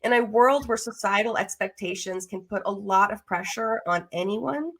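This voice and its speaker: A woman's voice: medium pitch, moderate pace. A woman in her thirties with an American accent, chatty and enthusiastic as she hosts a conversational interview podcast. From Las Vegas, United States. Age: 30s. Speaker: podcast host.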